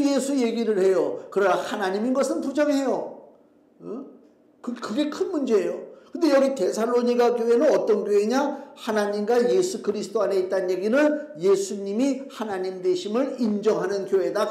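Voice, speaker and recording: A man's voice: extremely high pitch, a little mellow. A middle-aged male pastor preaching a sermon in a conversational, emphatic way, full of rhetorical questions. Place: church sanctuary. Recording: echoey church hall.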